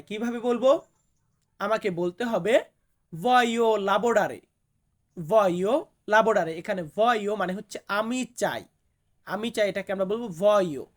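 A man teaching a language lesson, explaining words plainly and patiently, and slowly spelling out and repeating foreign words. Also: sits high. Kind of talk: explaining vocabulary to viewers.

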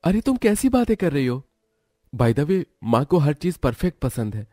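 A man voicing a gentle, reassuring young husband in an animated family drama, with an Indian accent. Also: fairly high pitch, moderate pace, dry recording, studio quality.

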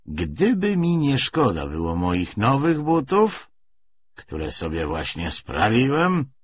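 A man's voice: medium pitch, wildly swooping pitch, takes it slowly, breathy edge, no echo, full character voice. A man voicing a cynical, talkative male army propagandist in an audiobook, bantering and opinionated. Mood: wry, animated. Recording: dull lo-fi recording.

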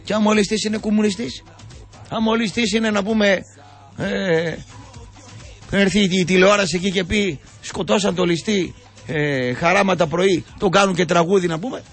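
Sarcastic ranting radio host. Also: male voice, sits high, steady tone, soft background music. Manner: indignant, sarcastic, rambling with frequent fillers.

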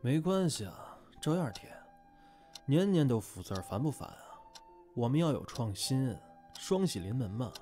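Over music, a man acts a cheeky, laid-back young guy in an audio drama. His drawl swings up and down in pitch with sardonic teasing. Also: very animated, moderate pace, dark tone, lightly acted. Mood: easygoing. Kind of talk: fan audio drama acting. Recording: music behind the voice.

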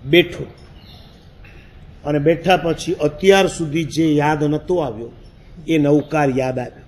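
A man's voice: on the high side, steady tone, a little slow, a little mellow. A man, a Jain monk telling a story in a sermon, acting out his own past words and laughing as he goes.

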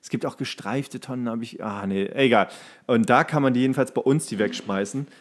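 A man's voice: mid-range voice, fairly quick. A man co-hosting a podcast, chatting casually in colloquial speech and rambling from one thought to another. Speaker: podcast co-host. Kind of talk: casual chat.

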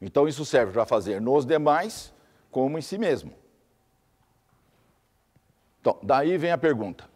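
A man's voice: mid-range voice, expressive, measured pace, long pauses, a little mellow, big-room sound. A man giving a teaching lecture, explaining step by step with lists and repeated examples.

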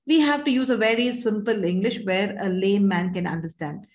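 A woman's voice: medium pitch, normal speed. Female talk show host, middle-aged, Indian accent, emphatic and earnest coach delivery over a video call. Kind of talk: conversational live talk show hosting.

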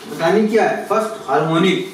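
A man with a high voice, speaking a little fast, explains physics exam solutions. He calls his students kids and poses questions only to answer them himself. The recording is noisy, with an echoey room and a distant mic.

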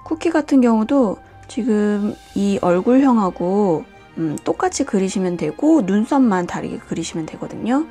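A woman hosting a nail art and drawing tutorial, talking calmly step by step and often dropping to a whisper. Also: medium pitch, faint music behind. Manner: calm, slow, often drops to a whisper. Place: indoors at a desk, hands on camera.

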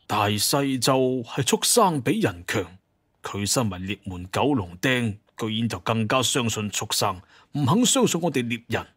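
A man's voice: medium pitch, sing-song, unhurried, fairly bright tone, husky, dry recording, studio quality, exaggerated voice. Man playing a proud, emphatic hunter clan heir. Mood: scornful. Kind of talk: audio drama acting.

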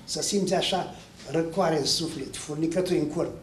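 A man's voice: a little high, a little hiss or hum, close to an everyday voice. A man doing a swaggering husband who loves speed. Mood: boastful. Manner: swaggering, drawling reassurance. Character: boastful, restless husband fond of speed. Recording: echoey hall from far off.

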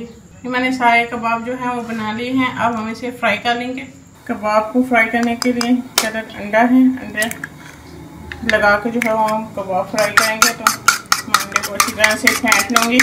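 A Pakistani woman hosts a cooking channel and explains each step in a steady, even voice that sits a little high. She sounds some way from the mic in a roomy kitchen, with frying and stirring clearly audible behind her. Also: distant mic, background noise. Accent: Pakistani Urdu. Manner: steady step-by-step instructions with filler "jo hai woh". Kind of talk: recipe tutorial voice-over.

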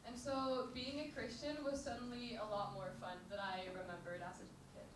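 A woman in her twenties from Norway, telling her life story into a handheld mic in short sentences, pausing after each one. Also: on the high side, little pitch movement. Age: 20s. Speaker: speaker sharing her testimony. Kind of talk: personal testimony in short phrases for an interpreter. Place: small dark music venue stage. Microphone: handheld microphone. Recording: roomy, noisy venue, from far off.

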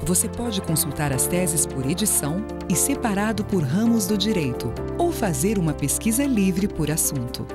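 A woman announcer reading a scripted promotional voice-over smoothly. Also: fairly low pitch, sing-song, moderate pace. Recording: voice-over with loud music.

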